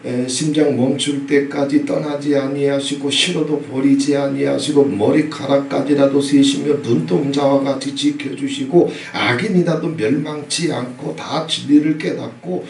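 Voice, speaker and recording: A middle-aged male pastor giving a sermon, emphatic and conversational, often prompting the congregation with short questions and sudden loud outbursts. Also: mid-range voice, gravelly. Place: church sanctuary. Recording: echoey hall, from a distance, faint noise.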